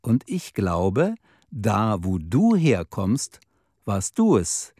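A man reading a prim, easily shocked woman in a spoken story, stern and let down. The voice is mellow and dark, and it swings widely in pitch on a dry studio recording. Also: wildly swooping pitch, extremely slow, husky, no room sound, exaggerated voice. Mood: disappointed, stern. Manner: stern, disappointed. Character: shy divorced woman, prim and indignant.

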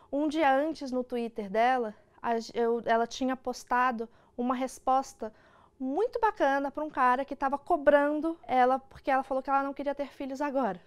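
A young Brazilian woman hosting an online news show, giving casual, opinionated commentary to camera. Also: high-pitched. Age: young adult. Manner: informal, opinionated. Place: indoor studio.

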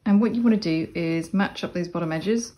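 A woman explaining sewing steps in a casual, chatty tutorial voice-over, with relaxed asides. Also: fairly low pitch, fairly quick. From Cornwall, England. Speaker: sewing instructor. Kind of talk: casual step-by-step tutorial narration.

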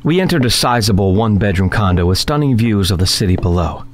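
A man playing a polite, wry young worker, narrating an audio drama in a measured first-person storytelling manner. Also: fairly low pitch, expressive, background noise, close to an everyday voice. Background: music under the voice.

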